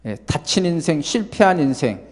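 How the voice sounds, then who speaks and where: A male pastor preaching a sermon to his congregation, lively and full of rhetorical questions. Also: on the high side, normal speed, long reverb tail. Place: church sanctuary.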